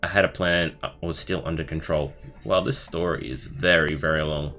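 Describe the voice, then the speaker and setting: A man's voice: a bass voice, fairly even intonation, moderate pace, pushed and bright, soft background music. A man livestreaming, reading aloud expressively with casual asides and commentary of his own. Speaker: streamer.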